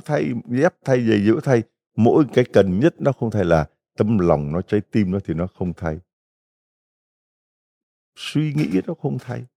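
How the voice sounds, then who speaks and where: A man's voice: medium pitch, creaky, mellow. A middle-aged man, a Catholic priest, giving a folksy retreat homily full of stories and rhetorical questions to the congregation.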